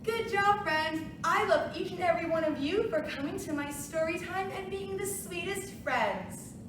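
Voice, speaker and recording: A woman's voice: extremely high pitch, normal speed. A woman hosting a children's storytime, talking as if reading to a toddler, in simple phrases with exclamations and playful asides. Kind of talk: reading to young children, sing-song picture-book reading and simple instructions. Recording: roomy, noisy, distant microphone.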